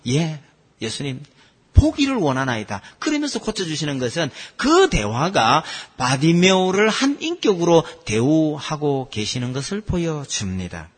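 A man preaching a sermon as pastor, asking the congregation questions and swinging between loud and soft. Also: mid-range voice, breathy edge. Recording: long hall reverb.

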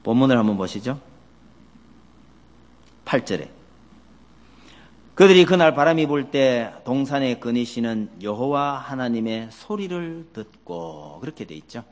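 A man's voice: medium pitch, measured pace, pauses often. A man preaching a sermon as a pastor, animatedly asking his congregation questions. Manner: asks the congregation many questions; animated, acts out quoted voices. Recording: long hall reverb.

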